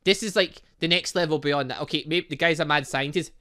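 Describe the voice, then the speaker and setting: A man's voice: fairly high pitch, brisk, pushed and bright. A man playing a visual novel, reading its lines aloud and joking about the story in casual chat. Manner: chatty, laughing asides, restarts mid-word. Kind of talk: casual let's-play commentary and reading game dialogue.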